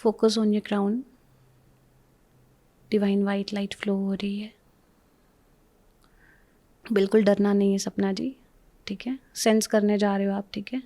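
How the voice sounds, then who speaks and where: A woman with an Indian accent leads a guided relaxation in a soothing, repetitive, reassuring way, with a breathy voice that often drops to a whisper. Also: mid-range voice, level tone, slow pace, long pauses, dark tone, dry recording. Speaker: spiritual healer leading a guided relaxation. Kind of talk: guided meditation, hypnotic instruction.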